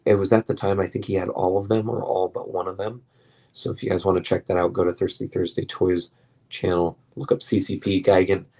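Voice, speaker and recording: A young man with a deep, low voice chats casually on a late-night stream. He rambles, restarts sentences and fills pauses with ums. His voice is turning slightly hoarse. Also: darkish tone. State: voice getting hoarse. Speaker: live stream host. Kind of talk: relaxed late-night collector chat.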